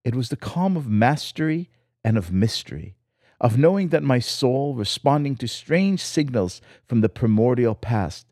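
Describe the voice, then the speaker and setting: A medium-pitched, warm voice belongs to the host, a man from Israel narrating a scripted personal essay that is reflective, wry, and lyrical in its storytelling. The studio sound is clean, with no echo.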